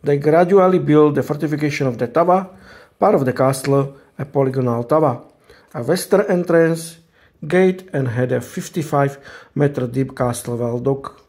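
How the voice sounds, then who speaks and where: Calm, mellow male museum guide. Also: on the high side, moderate pace, slightly rough. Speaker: tour guide narrator. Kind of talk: scripted museum-guide narration of castle history.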